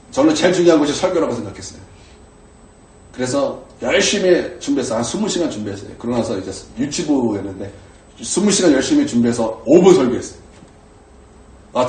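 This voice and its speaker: A male pastor preaching a sermon, telling stories with lively delivery and acting out his own earnest prayers. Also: mid-range voice, reverberant, recorded from a distance. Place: church sanctuary.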